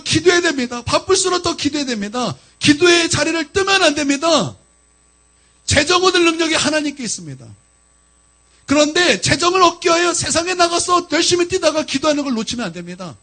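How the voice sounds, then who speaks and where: Pastor guy preaching, really high voice, faint hum in the back. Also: lively intonation, brisk, sharp tone. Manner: emphatic preaching, often addressing the congregation directly. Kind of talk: sermon.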